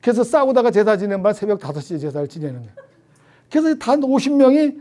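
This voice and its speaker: An older man, a history professor, giving a public lecture in a lively storytelling way, often asking questions and then answering them himself. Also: high-pitched.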